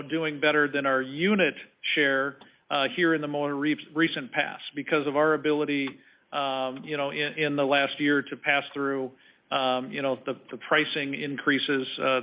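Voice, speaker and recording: A man speaking as a company executive on an earnings call, answering in measured, halting corporate phrasing. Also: fairly high pitch. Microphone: conference call line. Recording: slightly dull conference call audio.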